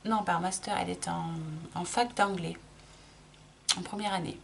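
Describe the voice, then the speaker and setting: Chatty French-speaking woman, slightly gravelly. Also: fairly low pitch, steady tone, moderate pace, a bit bright, a little hiss or hum. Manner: chatty, explains while applying, frequent restarts and fillers. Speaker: makeup vlogger. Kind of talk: casual makeup tutorial.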